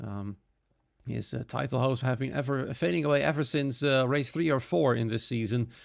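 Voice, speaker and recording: A man with a Dutch accent at a fairly quick pace, medium pitch and ordinary pitch variation, on a very clean recording with a silent background. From Netherlands. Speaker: sim racing commentator. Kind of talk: live commentary. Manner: hesitant, many fillers.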